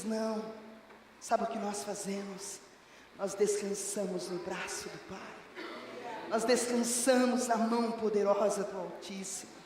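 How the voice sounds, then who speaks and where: A woman's voice: fairly high pitch, slight background noise. Fervent woman pastor in echoing church. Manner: fervent preaching that swells into shouting. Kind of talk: Pentecostal sermon. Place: church sanctuary. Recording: echoey church hall, voice from a distance.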